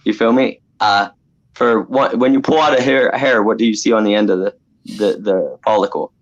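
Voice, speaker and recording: Halting man on a muffled stream line. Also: fairly low pitch. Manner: halting, rambling, many "I mean" and "you know". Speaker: guest on a livestream. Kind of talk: casual chat.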